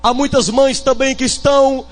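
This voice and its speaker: A male bishop with a Northeastern Brazilian accent preaching a fiery sermon, swinging between shouts and hushed tones and calling on the congregation. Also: very high-pitched, level tone, normal speed.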